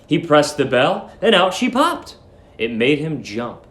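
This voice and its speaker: A man narrates a story in a high voice with big swings of pitch. His delivery is theatrical, leaning deliberately on words, and the room echoes around him. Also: sing-song, a bit bright.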